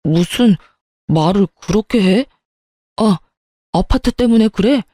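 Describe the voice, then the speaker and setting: A woman's voice: medium pitch, slow, mellow. A woman voicing a spineless young man who pleads with his fiancée in a whiny, wheedling way. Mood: pleading.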